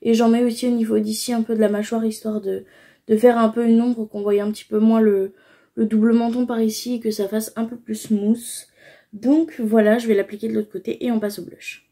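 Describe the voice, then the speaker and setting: A woman's voice: fairly high pitch, level tone, a little fast, warm tone. A young woman casually talking through her makeup routine, explaining each step with frequent fillers. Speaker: beauty vlogger.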